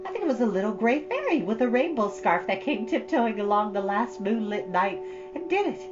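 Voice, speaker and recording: A woman's voice: fairly high pitch, very animated, fairly quick, highs cut off, over music, voice pushed up. A woman voicing a chatty, earnest thirteen-year-old girl from a storybook, rambling with solemn drama. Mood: dreamy, eager. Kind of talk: storybook character reading.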